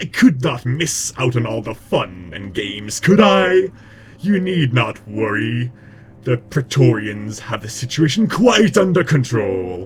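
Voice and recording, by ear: Using a put-on character voice, a man sounds gruff at a medium pitch. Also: fairly slow pace.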